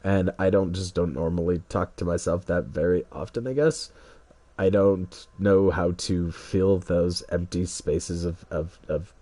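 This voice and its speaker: Low, congested hesitant young man. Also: a little slow, warm tone, dry recording. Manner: hesitant, self-deprecating, many restarts. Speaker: streamer. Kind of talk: rambling solo stream chat.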